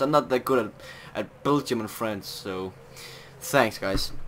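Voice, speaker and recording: With a Danish accent, a man talks at a moderate pace and a medium pitch. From Denmark. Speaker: video game let's play YouTuber. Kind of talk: gameplay commentary. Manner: animated, excitable commentary.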